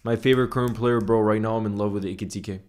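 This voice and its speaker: A man with a fairly low voice hosts a football fan livestream. He talks casually and informally, reads comments from viewers and replies to them directly. He often repeats a phrase to drive it home. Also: steady tone, fast, darkish tone.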